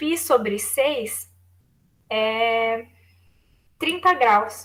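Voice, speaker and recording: At a very slow pace, a woman talks in a fairly high voice. Her intonation is lively. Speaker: math teacher. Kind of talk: online lecture.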